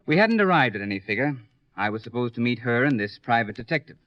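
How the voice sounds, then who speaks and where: An actor playing a courteous, careful lawyer in an old radio detective serial, speaking in a measured, matter-of-fact way. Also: male voice, medium pitch, very animated, no echo, lightly acted. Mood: careful, polite. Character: courteous, measured professional male lawyer being questioned. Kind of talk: 1950s American radio detective serial acting. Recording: dry, dull old radio recording.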